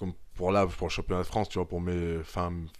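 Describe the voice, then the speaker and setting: The recording is very clean, with a silent background. In it, a man talks with a very deep, low pitch. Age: 30s. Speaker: jiu-jitsu competitor. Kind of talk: casual chat. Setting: home dojo. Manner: animated.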